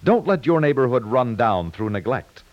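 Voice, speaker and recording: A man with an American accent reading scripted 1950s radio announcements in a formal, emphatic, measured way. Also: mid-range voice, very animated, no echo. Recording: muffled 1950s radio broadcast.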